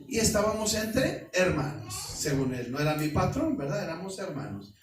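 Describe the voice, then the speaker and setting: A man's voice: high voice, very animated, moderate pace. A Mexican-accented pastor in his forties preaching a sermon, telling stories with colloquial asides and rhetorical questions. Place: church hall. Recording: echoey church hall, mic at a distance.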